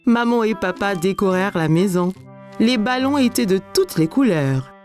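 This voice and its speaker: A woman's voice: mid-range voice, lively intonation, moderate pace, darkish tone, soft background music. A woman narrator reading scripted story narration for a French children's cartoon.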